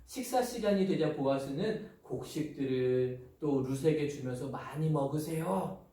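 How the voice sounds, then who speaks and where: A man, a pastor, giving an animated children's sermon and acting out the voices in his stories. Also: medium pitch, moderate pace. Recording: echoey room, voice from a distance.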